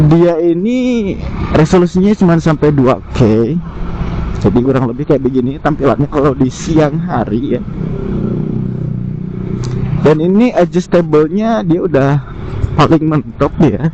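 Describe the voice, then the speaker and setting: A man's voice: a little high, lively intonation, unhurried, long pauses. Chatty man, muffled over road noise. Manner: slangy, chatty, thinking aloud. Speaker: motovlogger reviewing gear. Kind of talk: casual unscripted review while riding. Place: outdoors on a motorcycle, inside a helmet. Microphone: helmet intercom microphone. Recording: muffled helmet intercom mic, loud vehicle noise. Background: road and engine noise.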